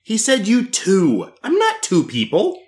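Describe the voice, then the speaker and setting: A man's voice: wildly swooping pitch, unhurried, a little mellow, heavily acted. An actor playing a childlike, simple-minded young man, goofy and eager. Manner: goofy and eager, big leaps in pitch.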